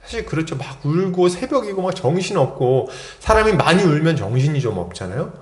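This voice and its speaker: A male pastor delivers a sermon in a slightly higher-than-average voice. He tells the story with lively, dramatic turns and bursts into loud cries for the quoted lines. The sound rings around an echoey church hall. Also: fairly quick. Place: church sanctuary.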